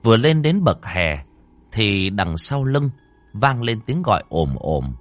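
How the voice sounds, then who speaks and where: A man's voice: fairly low pitch, sing-song, takes it slowly, no room sound. A man narrating a ghost story in a suspenseful, dramatic way.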